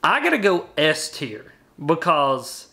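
A young adult man arguing his case in an animated, emphatic way as a guest on a video call from home. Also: on the high side, takes it slowly. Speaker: guest angler. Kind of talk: casual debate over a video call. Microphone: webcam on a video call.

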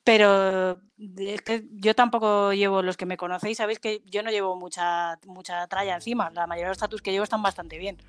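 A woman's voice: medium pitch, steady tone, a little fast, clean tone. A woman tattoo artist, a guest chatting casually on a podcast, swearing and laughing easily.

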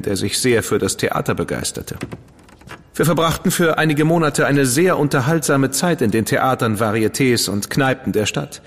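A witty, flamboyant dandy writer in a radio drama, with a husky voice and a lively, swooping pitch. He talks in a theatrical, flowery, playful way, and a long reverb trails behind each line. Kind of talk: German studio radio drama acting.

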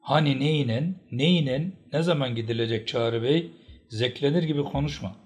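A man voicing an old tribal matriarch, sharp and scolding as she rebukes the chieftains. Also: medium pitch, moderate pace, voice pushed up, close to an everyday voice. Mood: angry.

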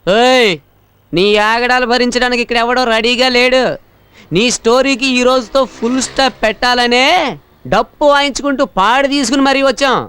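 An actor playing a menacing gang boss in an action film, taunting and commanding in a melodramatic way. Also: male voice, extremely high pitch, fairly even intonation, moderate pace, bright, forceful tone, smooth. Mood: taunting, threatening.

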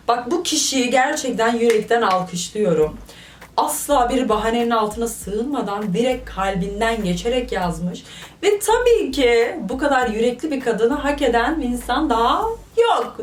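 Brief: young woman vlogger, exclamatory comic commentary, recorded at a distance from the mic. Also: fairly high pitch. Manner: animated, joking, exclamatory. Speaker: vlogger reading viewer stories. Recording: roomy, voice from off the mic.

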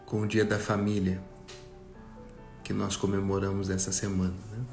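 A Brazilian man speaks as a meditation guide in a lowish, creaky voice. He addresses a group reflectively, leaving long pauses between phrases. Faint music plays behind him. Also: monotone, a little mellow, roomy sound. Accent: Brazilian Portuguese. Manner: slow, pausing, reflective.

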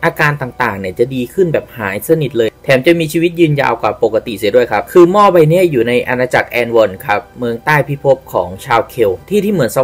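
Fast-talking male storyteller. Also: mid-range voice. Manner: chatty, addresses viewers directly with casual asides. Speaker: storytelling channel host. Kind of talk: casual mythology storytelling.

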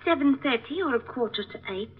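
An actress playing a prim maid answering questions in an old radio detective drama. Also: female voice, high-pitched, expressive, brisk, breathy edge. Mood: earnest. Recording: tinny tape playback in radio drama.

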